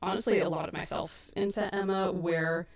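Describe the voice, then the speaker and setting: Gravelly-voiced woman chatting on a stream. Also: on the low side, fairly even intonation, normal speed. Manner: chatty, self-deprecating, laughs often. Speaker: audio drama creator and host. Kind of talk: casual editing livestream chat. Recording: echoey stream mic from a distance.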